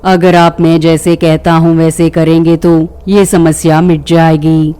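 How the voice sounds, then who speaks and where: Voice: mid-range voice, level tone, measured pace, mellow, clear, resonant tone, lightly acted. The narrator voicing a humble old village man in a dubbed storybook cartoon, speaking politely.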